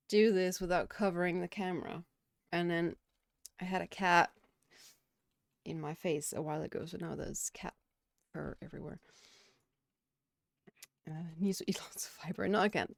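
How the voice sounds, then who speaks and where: In a home room with windows and curtains, a Danish streamer chats while gaming, reading her chat's questions aloud and responding. Her voice is fairly low and gravelly, with fairly even intonation and a moderate pace, and she pauses often. The studio-quality recording has no room sound.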